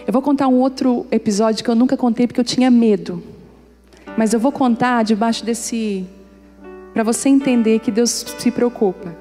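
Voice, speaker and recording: A woman's voice: a little high, moderate pace, warm tone, in a large hall, faint music behind. A middle-aged woman pastor, preaching and telling personal stories, acting out dialogue and joking with the congregation. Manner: storytelling, acts out dialogue, jokes with congregation.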